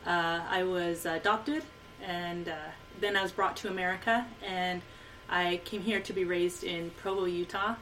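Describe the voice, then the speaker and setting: A woman's voice: fairly low pitch, fairly even intonation, unhurried, fairly bright tone. A woman from Costa Rica, an author and speaker, talking as an interview guest with frequent hesitations. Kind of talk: casual interview. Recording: mic at a distance, faint noise.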